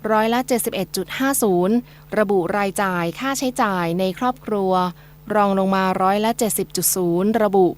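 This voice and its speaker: A woman's voice: medium pitch, a little fast. Woman reading scripted radio news. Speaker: radio newsreader.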